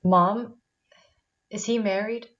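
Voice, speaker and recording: A woman acting as a gentle, patient young daughter in a drama script read, on a dull home recording. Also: mid-range voice, steady tone, slow pace. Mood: soft, reassuring. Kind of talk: dramatic table read of a screenplay.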